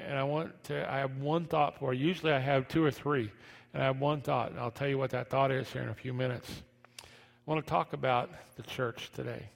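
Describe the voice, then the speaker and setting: A man preaching a conversational sermon as a pastor, halting and repeating phrases, his speech slightly slurred by missing teeth. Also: mid-range voice, vocal fry. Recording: long hall reverb.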